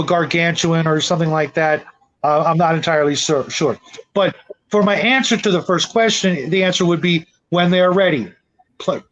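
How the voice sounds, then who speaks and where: A man talking casually in a group discussion, halting a little as he thinks aloud. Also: high-pitched, fairly bright tone, low-quality recording. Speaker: panelist leading a tabletop gaming discussion.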